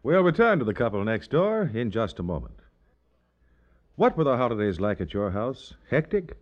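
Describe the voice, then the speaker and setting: A man's voice: medium pitch, very animated, moderate pace, faint music behind. A man doing scripted 1950s radio announcing in a polished, salesmanlike manner. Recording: dull 1950s radio recording.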